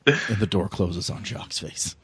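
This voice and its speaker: A man's voice: low voice, expressive, normal speed, very noisy. A man acting as game master, narrating a tabletop game in a casual way.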